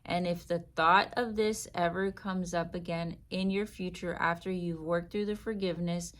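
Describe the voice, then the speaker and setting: A woman speaking as a Christian faith coach, giving earnest, emphatic encouragement about forgiveness with dramatic pauses. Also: on the low side, steady tone, fairly bright tone. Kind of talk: spoken devotional encouragement.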